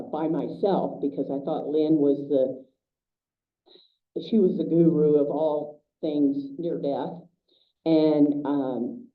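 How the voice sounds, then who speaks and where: Woman host, loud, hesitant, lots of ums; tinny distant room sound. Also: low-pitched. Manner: chatty, hesitant with many fillers. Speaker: meeting host. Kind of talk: casual announcements to a small group. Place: meeting room. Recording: tinny, echoey, from far off.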